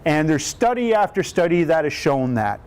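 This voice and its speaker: A man in his fifties with a booming voice leads a live question-and-answer session, explaining health matters in plain, upbeat talk. He pitches a little high and keeps turning to the room with rhetorical questions. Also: very animated, normal speed, darkish tone, smooth. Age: 50s. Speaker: cardiac rehab educator.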